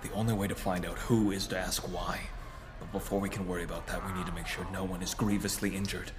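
A man plays a resolute hero in a pulp audio drama. His voice is on the low side, with a serious, measured and analytical delivery. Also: fairly even intonation, lightly acted. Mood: grave, focused. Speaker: actor. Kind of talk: pulp radio drama acting.

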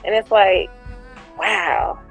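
A woman's voice: medium pitch, steady tone, drawn-out words, soft background music. A woman co-hosting a podcast, chatting playfully and laughing as she acts out quotes. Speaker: podcast co-host. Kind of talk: casual chat.

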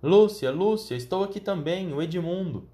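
A man's voice: mid-range voice, quick pace, a little mellow, close to an everyday voice. A man voicing a spiteful, sulky young boy who calls out in a raised voice in a storybook reading. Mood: calling out.

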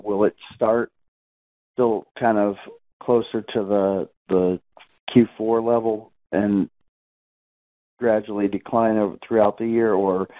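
Man, financial analyst, slightly deep voice, casual halting phrasing, thin phone-conference connection. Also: phone-quality sound. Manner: halting, rephrasing as he goes. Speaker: financial analyst asking questions. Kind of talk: conversational earnings call questions.

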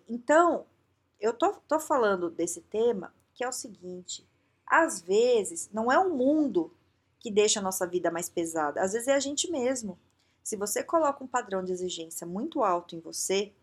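A woman with a Brazilian Portuguese accent giving advice in a casual monologue, lively and conversational, often checking that the listener follows. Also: medium pitch, husky. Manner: conversational, keeps asking "entende?"; lively, acts out quoted inner voices. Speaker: advice speaker.

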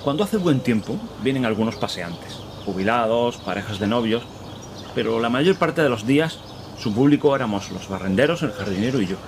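A man playing a kindly, talkative park worker who speaks courteously and pauses to search for words. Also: mid-range voice, expressive, noisy background, lightly acted. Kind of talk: radio drama acting. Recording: outdoor park ambience with birds. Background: birds and outdoor ambience.

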